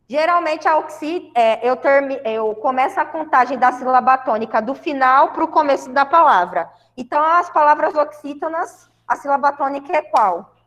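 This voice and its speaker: A woman's voice: high voice, expressive, moderate pace, hardly any pauses, fairly bright tone, long reverb tail. A Brazilian woman teaching a grammar lesson to a class, explaining step by step and often checking in with her students. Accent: Brazilian Portuguese. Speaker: school Portuguese teacher.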